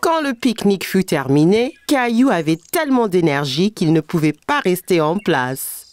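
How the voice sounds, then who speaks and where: This woman narrates a small boy's everyday adventures in a children's cartoon, sounding like someone reading a storybook aloud. Her voice is on the low side and a little mellow, with big pitch swings at a moderate pace.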